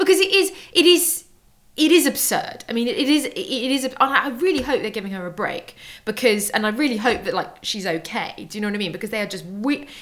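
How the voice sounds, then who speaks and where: A woman with a British accent speaks in a high voice, her pitch swinging very widely. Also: fairly quick pace, big swings in loudness. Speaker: podcast host. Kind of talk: casual banter chat.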